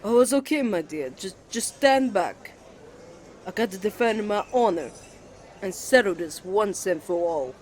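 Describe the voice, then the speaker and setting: A man's voice: sits high, lively intonation, measured pace, slight background noise. A man playing a jealous, flustered young student, a protective twin brother with a dramatic manner, in an ASMR romance roleplay. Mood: determined. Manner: indignant, dramatic, stammering when flustered.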